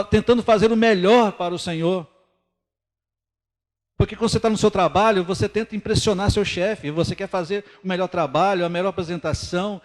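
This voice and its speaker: High-voiced Brazilian man preaching, hall reverb. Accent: Brazilian Portuguese. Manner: earnest, conversational preaching with pauses. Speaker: lay preacher. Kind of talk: sermon. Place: church.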